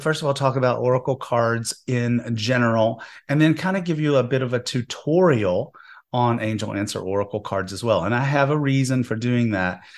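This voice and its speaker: Chatty man hosting a spiritual talk show. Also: mid-range voice. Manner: chatty, wry asides. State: slightly hoarse from a cold. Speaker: host. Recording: internet radio show.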